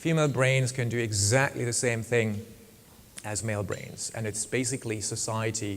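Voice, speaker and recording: Fairly slow, fairly even speech with audible room echo. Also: man. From Germany. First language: German. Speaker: neuroscientist and foundation science director. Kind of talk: conference talk. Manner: conversational, with fillers.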